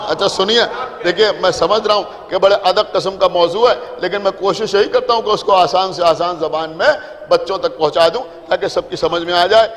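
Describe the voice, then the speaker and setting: High-voiced Urdu preacher in an echoing hall. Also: male voice. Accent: Lucknow Urdu. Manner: explanatory, checks in with the audience, repeats points for emphasis. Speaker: Shia preacher addressing a majlis. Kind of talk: Urdu sermon to a seated congregation. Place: large imambara hall. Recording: reverberant hall.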